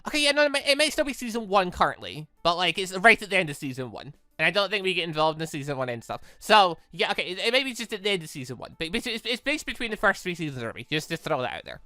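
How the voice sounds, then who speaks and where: A man's voice: high voice, very animated, rapid-fire, hardly any pauses, bright, forceful tone, no room sound, soft background music. A man giving casual let's-play commentary, rambling as he repeats and rephrases himself. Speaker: gaming video host.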